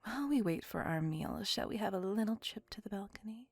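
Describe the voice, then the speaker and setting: A woman voicing a possessive, doting, centuries-old female vampire in an ASMR roleplay, whispering softly with formal, old-fashioned phrasing. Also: medium pitch, expressive, a little fast, breathy edge, no room sound, faint music behind. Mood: wistful. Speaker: voice actor.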